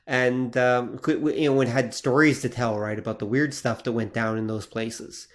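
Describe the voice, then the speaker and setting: A man's voice: mid-range voice, fairly even intonation, normal speed. A man co-hosting a podcast in casual chat, easygoing as he steers the talk along. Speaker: podcast co-host.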